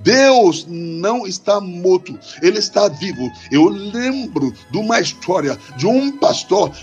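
An impassioned pastor with a high voice preaches a sermon, driving his phrases home in chant-like repetition. Faint music plays softly behind him. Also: lively intonation, measured pace, dull audio.

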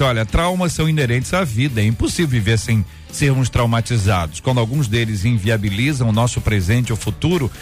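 A man hosting a radio talk show, bantering with teasing jokes and reading out listener messages. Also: mid-range voice. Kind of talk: relaxed joking studio chat, reading listener messages.

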